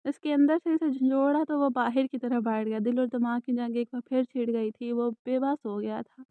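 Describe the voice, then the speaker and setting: A woman narrating a romance novel in a soft, even storytelling manner. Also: a little high, no echo. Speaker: audiobook narrator. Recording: dry, tinny phone-like sound.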